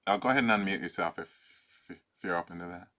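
On a video call from a room at home, an older male life coach talks someone through a tapping routine. His low-pitched voice sounds bright and forward, and he's playful, joking and laughing often while halting to hunt for words amid plenty of fillers.

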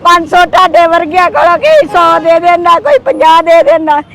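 A woman's voice: very high voice, expressive, moderate pace. An elderly widow who weeps and prays aloud, pouring out blessings and her troubles to the man helping her. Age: older. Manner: weeping, praying aloud for blessings. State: crying. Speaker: aid recipient. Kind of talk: tearful pleading and prayer. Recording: crowd and traffic noise outdoors.

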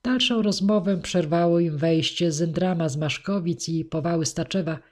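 A woman narrating a classic novel as an audiobook in a measured, expressive reading. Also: on the low side. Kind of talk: scripted narration.

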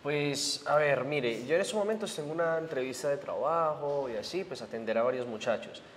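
A man's voice: a little high, fairly quick, slight background noise. A young man playing a doctor, formal and a bit hesitant, greeting visitors in a clinic office. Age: young adult. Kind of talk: staged short drama.

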